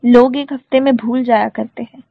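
A cold male politician brushes off complaints with curt, stern lines, as a woman reader voices him. The voice is husky and gravelly. It comes over a dry, phone-like audiobook recording. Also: a little high, steady tone, no echo. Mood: dismissive. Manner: curt and dismissive.

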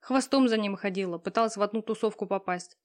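A woman voicing a pushy, talkative young female friend who teases and lectures loudly. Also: medium pitch, fast talker, natural voice. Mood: bossy. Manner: loud, teasing, talkative.

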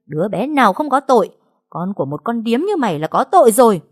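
Spiteful cold villain lady hissing threats, kinda low voice, a woman reader putting her on. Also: big pitch swings, fairly quick, darkish tone, dry recording, studio quality. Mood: raging.

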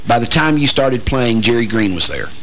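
A man, hosting a radio interview in a teasing, joking way with halting restarts. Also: medium pitch, lively intonation, fairly bright tone, a little hiss or hum, low-quality recording. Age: 40s. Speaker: radio show host. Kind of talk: casual interview chat.

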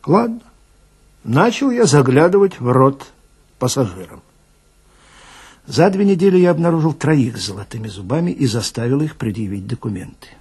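A man playing a chatty, grumbling police detective who tells his story wryly and confidingly, with dramatic pauses, in a radio reading with a gravelly, husky voice. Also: medium pitch, big pitch swings, a little mellow. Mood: disgruntled.

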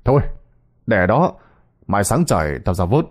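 A man voicing a gruff, practical, teasing fisherman in an audio horror story, with a blunt, matter-of-fact manner. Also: on the low side, very animated, a little slow, a little mellow. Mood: blunt, amused.

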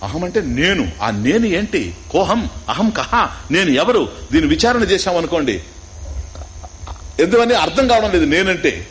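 A man's voice: fairly high pitch, very animated, measured pace, poor audio. A man with a Telugu accent giving a spiritual discourse on scripture, teaching through questions and repetition and mixing in English words. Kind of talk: Upanishad discourse.

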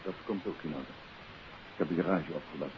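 An actor playing a confident gentleman detective in a 1950s radio drama. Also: extremely low pitch, brisk. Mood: businesslike. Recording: dull, hissy 1950s radio recording.

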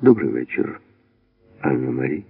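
A man reading an audiobook, voicing a cold, stern male officer who speaks without warmth. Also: extremely low pitch, expressive, fairly quick, vocal fry, no room sound, full character voice. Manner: cold, heartless. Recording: dry, phone-like narrow band.

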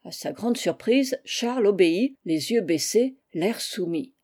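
A woman reading a classic novel aloud as an audiobook, voicing every character herself and naming each speaker in a softer voice. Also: expressive, unhurried, slightly rough. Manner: reads all characters, announcing each speaker name in a lower, softer voice. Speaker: audiobook reader.

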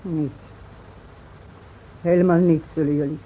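An actress playing a grieving, reproachful village woman in a Dutch radio drama, speaking with halting solemnity. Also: deep voice, fairly even intonation. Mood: grieving, accusing. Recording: dull, faintly noisy old radio recording.

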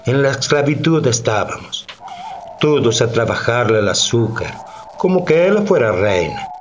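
An actor playing a weary, bitter Black slave on a sugar plantation, lamenting in broken rustic speech in a radio drama. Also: male voice, medium pitch, lively intonation, moderate pace, lo-fi sound, slight background noise, natural voice.

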